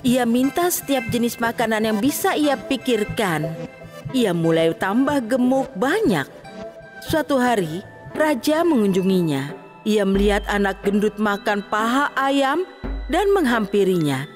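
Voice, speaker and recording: A woman's voice: a little high, big pitch swings, a little slow, soft background music. A woman narrating a scripted children's fairy tale as the storyteller.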